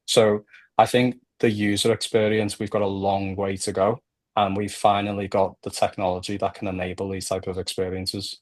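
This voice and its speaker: A man's voice: lowish voice, level tone, normal speed, no echo. A man with a Liverpool accent talking casually and explaining things on a podcast, often checking in with "right?". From Liverpool, England. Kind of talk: casual conversational podcast discussion.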